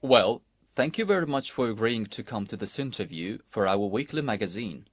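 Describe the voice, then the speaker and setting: A man's voice: fairly low pitch, moderate pace, dry recording. A man playing a polite magazine interviewer in a scripted listening-exam dialogue. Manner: polite, lively questioning. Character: male magazine interviewer, courteous. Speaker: interviewer in a textbook listening recording. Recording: dull lo-fi recording played in class.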